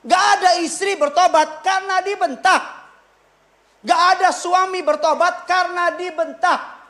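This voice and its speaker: High-voiced man preaching emphatically. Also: steady tone, unhurried. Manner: emphatic, repeats key lines for the congregation; swings between loud punches and low quiet asides. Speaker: pastor. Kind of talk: sermon. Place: church.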